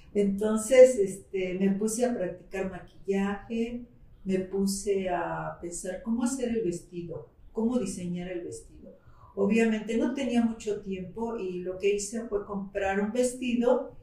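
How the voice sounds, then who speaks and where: Speaking at a fairly slow pace, a woman uses medium pitch and fairly even intonation. Audible room echo is present. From northern Mexico, Monterrey, raised partly in Mexico City. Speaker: makeup artist and dance group director. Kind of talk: casual interview.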